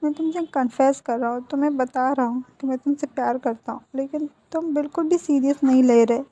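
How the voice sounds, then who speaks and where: A woman's voice: sits high, a little fast, warm tone, muffled recording, close to an everyday voice. A woman voicing a whiny, melodramatic young man who pleads and stammers. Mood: hurt. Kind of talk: storybook dialogue read by a narrator.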